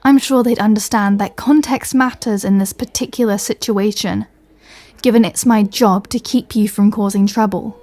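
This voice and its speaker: A woman's voice: medium pitch, fairly even intonation, moderate pace, darkish tone, natural voice. A woman playing an irritated, stubborn, proud female superhero in a comedic audio drama, answering with dry, sarcastic exasperation. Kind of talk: comedic audio roleplay acting.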